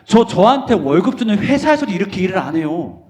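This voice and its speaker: A man voicing a tired young male churchgoer who loudly protests that he is hurt. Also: high-pitched, big pitch swings, brisk, voice pushed up. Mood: indignant.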